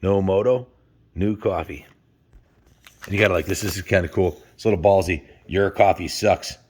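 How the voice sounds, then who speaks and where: A man's voice: low-pitched, normal speed, darkish tone, slight background noise. A man with a folksy, enthusiastic manner hosts a story time, chatting casually and reading aloud to his viewers. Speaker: host of a story time show.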